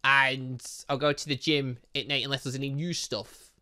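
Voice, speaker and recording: A man's voice: mid-range voice, level tone, moderate pace, pushed and bright, clear, resonant tone. A man chatting his way through a visual novel, thinking aloud and reading game text with playful little sound effects. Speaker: gaming YouTuber.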